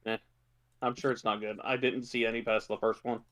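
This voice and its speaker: A man co-hosting a podcast in casual chat, speaking in an informal, halting, offhand way. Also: on the low side, little pitch movement, fairly bright tone. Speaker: podcast co-host.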